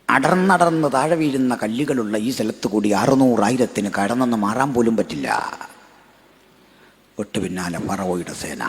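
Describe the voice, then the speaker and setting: A man preaching a sermon, telling a story in low, hushed tones and then building to loud, shouted climaxes. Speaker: pastor.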